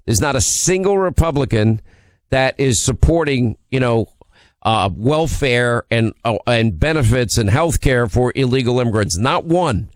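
A middle-aged man hosting a political talk show, his voice hoarse and worn from a cold. He talks in a brash, combative way and throws in sarcastic asides. The sound is close and very dry, with no room in it. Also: mid-range voice, animated, unhurried, no echo. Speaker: talk radio host. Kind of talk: political talk radio monologue.

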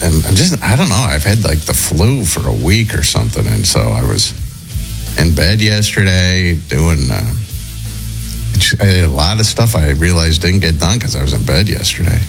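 A male morning radio host with a low voice that swings widely in pitch. He sounds under the weather and is losing his voice, often stopping and restarting as he talks. Music plays clearly behind him in the studio. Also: sing-song. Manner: hesitant, halting delivery. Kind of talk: morning radio talk show.

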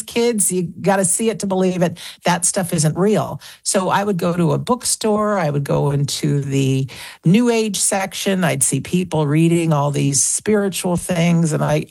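Woman, 60s, radio guest; low, gravelly voice, earnest, piles up examples. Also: darkish tone, no room sound. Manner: earnest, talks in lists and repeats phrases. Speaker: guest author. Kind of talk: radio interview.

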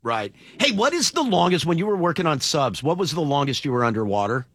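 Gravelly, bright-voiced male radio host. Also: fairly high pitch, big pitch swings, fast talker, dry recording. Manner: laughing, joking, restarts. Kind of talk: morning radio call-in chat.

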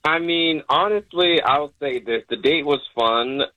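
A man's voice: fairly high pitch, measured pace, bright, forceful tone. A man on a phone call, talking bluntly and casually with lots of fillers. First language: not Spanish. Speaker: caller on phone. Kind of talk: phone conversation.

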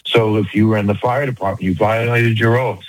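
An older man with a New York accent, a retired caller phoning in to a talk radio show and making his point fast and earnestly. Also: lowish voice, steady tone, dry recording, low-quality recording.

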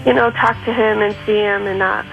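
A woman's voice: medium pitch, steady tone, a little fast, gravelly, faint music behind. A woman in her late twenties calling a radio show, hesitant and lovesick. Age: 20s. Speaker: caller. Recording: muffled phone line.

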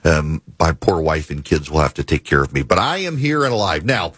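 A man's voice: a bass voice, animated, fairly quick, fairly bright tone, breathy edge, no echo, clean studio sound. A man hosting a talk radio show, speaking in a rambling, chatty way with a scratchy voice from a head cold. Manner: rambling, self-correcting, chatty. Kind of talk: casual talk radio monologue.

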